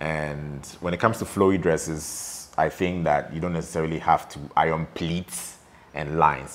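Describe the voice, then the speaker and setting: Vocal fry is present in this man's voice. His pitch is very deep and low. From Ghana. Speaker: vlogger. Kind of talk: casual chat. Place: home room.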